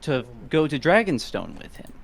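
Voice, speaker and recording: A man's voice: a little high, big pitch swings, normal speed, gravelly. A man co-hosting a podcast in casual chat, asking questions and hesitating as he thinks. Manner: inquisitive, hesitant, asks questions. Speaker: podcast co-host.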